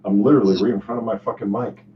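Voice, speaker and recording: A man's voice: fairly low pitch, steady tone, very fast. A man co-hosting a live stream, swearing often and irritated at his gear, his voice muffled and distant like a cheap headset mic picking him up from across the room. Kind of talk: casual chat. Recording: dull, muffled mic with faint hum.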